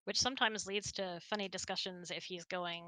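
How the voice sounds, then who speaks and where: A woman's voice: on the low side, fairly even intonation, fairly quick, bright, forceful tone, no echo. A woman hosting a casual online hangout, chatting and answering audience questions in a giggly manner. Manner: giggly, laughs often while talking.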